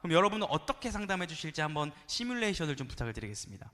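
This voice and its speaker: A man preaching a playful, animated sermon to a youth congregation, sometimes acting out voices and calling on the listeners to respond. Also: fairly high pitch, rapid-fire, long reverb tail. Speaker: youth pastor. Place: church sanctuary.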